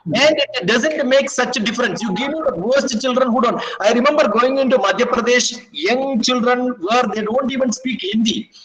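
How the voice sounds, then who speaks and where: Very high-voiced Kerala Indian man lecturing. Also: moderate pace, few pauses, crowd noise, low-quality recording. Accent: Kerala Indian English. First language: Malayalam. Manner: anecdotal and rambling, with frequent check-in questions. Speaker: guest speaker. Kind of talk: webinar lecture.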